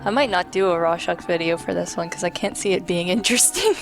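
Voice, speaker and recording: A woman's voice: fairly low pitch, animated, quick pace. A woman hosting a let's play, giving casual, wry commentary with some swearing as she plays. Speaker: let's play host, player. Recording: game music behind commentary.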